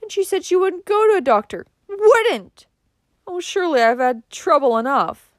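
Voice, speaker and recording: A woman's voice: high voice, huge pitch swings, normal speed, fairly bright tone, no echo, studio quality, pitched above the performer's own voice, exaggerated voice. Woman playing a sobbing, put-upon older mother. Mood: plaintive. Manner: sobbing, moaning, plaintive.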